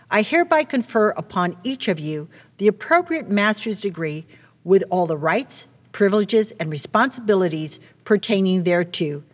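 A middle-aged woman, a university president, conferring degrees in a solemn, deliberate way at a podium on stage. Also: mid-range voice. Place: stage with podium and red curtains. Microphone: podium mic. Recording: long hall reverb.

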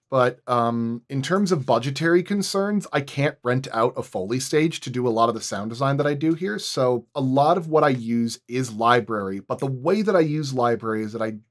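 A man talking casually as a guest sound designer on a podcast, explaining in a halting way as he thinks aloud. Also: medium pitch.

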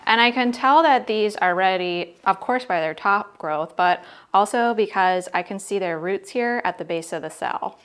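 A woman's voice: medium pitch, moderate pace, hardly any pauses, a bit bright, smooth. A middle-aged American woman gardening vlogger, chatting directly to viewers as she shows plants in a casual tour style. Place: home garden outdoors and inside the house.

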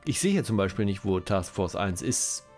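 German guy with a cold, lowish voice, rambly lets-play chatter, faint music underneath. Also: sing-song, normal speed. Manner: rambling, self-correcting, chatty. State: has a cold, coughing. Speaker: let's-play host. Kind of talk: casual game commentary.

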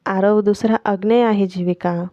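A woman reading the part of a gentle, soft-spoken young father, in a dull, dry lo-fi recording. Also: medium pitch, fairly even intonation, normal speed, no echo, lightly acted.

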